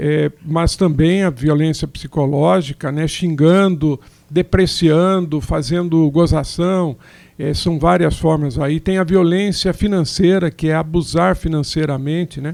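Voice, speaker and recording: With an ordinary speaking voice, a man talks at a fairly high pitch and fairly slow pace, his intonation fairly even. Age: 60s. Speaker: physician and professor. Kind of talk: radio interview.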